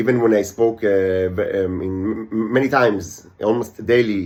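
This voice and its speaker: A man with an Israeli accent speaks fairly slowly at a medium pitch. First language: Hebrew. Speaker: YouTuber. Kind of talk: monologue to camera. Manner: halting; slower than usual.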